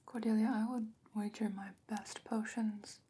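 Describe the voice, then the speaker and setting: A woman playing a calm, thoughtful fantasy sorceress in an ASMR roleplay, speaking in a breathy, measured whisper with deliberate pauses. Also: a little high. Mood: pensive, grave.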